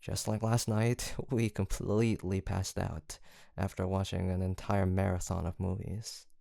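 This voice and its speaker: A man acts out a college-aged best friend in an intimate audio roleplay. His low voice is mellow and gravelly at the edges, with a casual, teasing delivery that stays fond and playful. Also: flat delivery, a little slow, no room sound, studio quality. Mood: tender, nostalgic. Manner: casual, playful, murmured hesitations and soft laughs.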